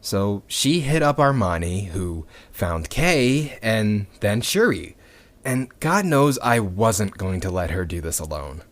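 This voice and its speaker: An actor playing a nervous, sardonic underground rebel in an audio drama, talking casually with swearing and a wry storytelling manner. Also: male voice, on the low side, expressive, slow pace. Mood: uneasy, resigned. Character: nervous, sardonic young underground rebel man recording testimony.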